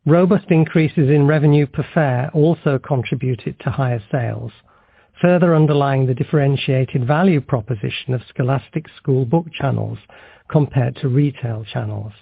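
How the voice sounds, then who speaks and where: Gravelly, husky male executive over phone line. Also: medium pitch, moderate pace, no room sound. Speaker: company executive on an earnings call. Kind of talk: scripted corporate presentation, read aloud. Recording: tinny, band-limited phone line.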